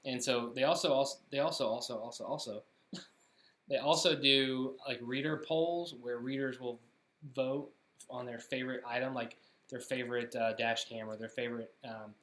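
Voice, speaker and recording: A man's voice: mid-range voice, fairly even intonation, normal speed, a bit bright. A man in his thirties chats on a home live stream in an easygoing, rambling way, cracking jokes and repeating himself. His voice carries a noticeable roomy echo from the space around him. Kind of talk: casual live-stream chat.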